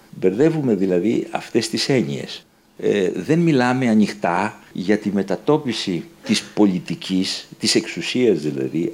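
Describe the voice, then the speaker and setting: A man's voice: lowish voice, darkish tone. A man speaking as a panelist, reflective and earnest. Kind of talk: panel discussion.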